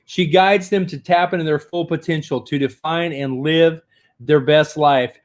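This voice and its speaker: A man's voice: fairly high pitch, steady tone, a little slow. A man hosting an author interview, reading an upbeat guest introduction and asking questions. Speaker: interview host.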